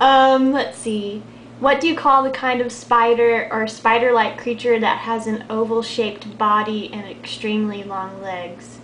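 With light background noise behind her, a woman speaks at a fairly slow pace in a fairly high pitch with fairly even intonation. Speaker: vlogger. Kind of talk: casual talk to camera. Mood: cheerful, relaxed. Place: home room. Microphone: phone near.

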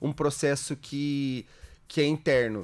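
A man speaks in a flat monotone at a fairly slow pace, his pitch fairly high. The background is quiet. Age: 40s. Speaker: visual artist; guest. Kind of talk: radio interview. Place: studio. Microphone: studio mic.

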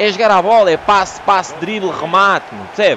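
With crowd noise in the background, a man talks at a very fast pace. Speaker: gamer streamer. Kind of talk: gameplay commentary. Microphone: headset.

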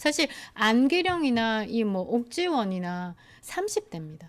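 The voice moves at a fairly slow pace while its pitch swings very widely. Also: woman. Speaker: political commentator. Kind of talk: casual political talk show. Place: studio. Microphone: studio mic.

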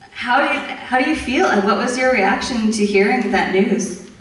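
A woman's voice, showing ordinary pitch variation, carries audible room echo. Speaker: moderator. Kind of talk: Q&A interview. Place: hall.

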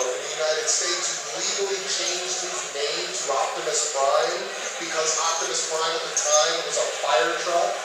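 A man at a moderate pace amid loud background noise and audible room echo. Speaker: guest. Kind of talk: panel talk anecdote. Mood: earnest, emotional storytelling. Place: hall.

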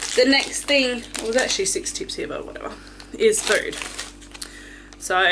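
A woman with a high pitch is heard against noticeable background noise. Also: moderate pace. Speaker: parent vlogger. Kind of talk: casual vlog tips. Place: home room. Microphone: phone near.

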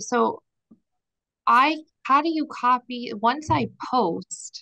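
Against a quiet background, a woman speaks with a bright, sharp tone and lively intonation. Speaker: staff member in training. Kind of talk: casual chat. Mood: puzzled, hesitant. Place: home room. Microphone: video call.

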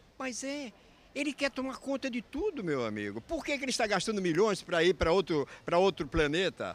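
A man's high voice at a moderate pace with very wide pitch swings, dry and close with no echo. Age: 60s. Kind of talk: casual opinion.

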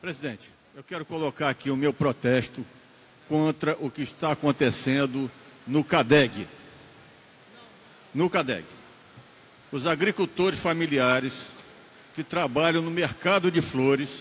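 A man speaks with ordinary pitch variation, leaving long, frequent pauses. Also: fairly slow pace. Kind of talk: parliamentary speech. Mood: indignant protest. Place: hall. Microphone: podium.

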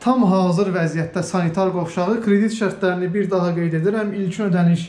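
Audible room echo and noticeable background noise surround a man with a high pitch and fairly even intonation. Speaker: real estate agent. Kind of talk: property walkthrough tour. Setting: inside an apartment.

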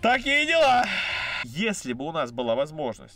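A man speaking at a moderate pace with very wide pitch swings, in a dry sound with no echo. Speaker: game streamer. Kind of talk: casual stream commentary. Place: home room.

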